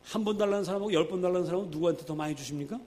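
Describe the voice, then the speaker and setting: A male pastor preaching a sermon, emphatic, swinging between loud and hushed, acting out quoted prayers. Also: high-pitched, very fast.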